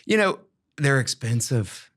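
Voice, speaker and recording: In a sing-song, medium-pitched voice that's fairly bright, a man hosting a podcast talks a little slowly. An education expert, he chats casually and shares encouraging, emphatic, folksy guidance about teaching.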